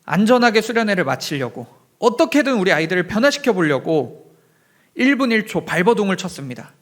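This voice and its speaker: High-voiced earnest young male preacher. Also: big pitch swings, fairly quick. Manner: earnest storytelling sermon. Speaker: pastor. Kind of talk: sermon. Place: church sanctuary.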